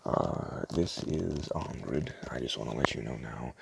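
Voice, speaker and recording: A man doing a soft-spoken ASMR roleplay as a store clerk, talking in a casual, hesitant, rambling way. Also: very deep voice, lively intonation, unhurried, vocal fry, background noise. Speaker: ASMR creator playing a DVD store clerk.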